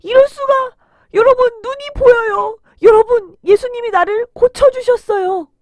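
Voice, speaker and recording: Blind beggar, acted by a woman: male character, high pitched, emotional and imploring, very animated, close dry sound. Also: moderate pace, no room sound. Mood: overjoyed. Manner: emotional, crying out pleadingly. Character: desperate blind beggar man, pleading, hopeful, then overjoyed. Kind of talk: dramatised children's Bible storytelling.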